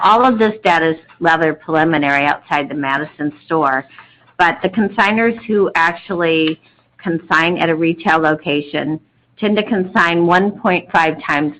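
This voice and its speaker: A woman's voice: sits low, normal speed, fairly bright tone, poor audio. A woman speaking as a company executive, giving an explanatory update to investors on an earnings call. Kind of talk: explanatory business talk.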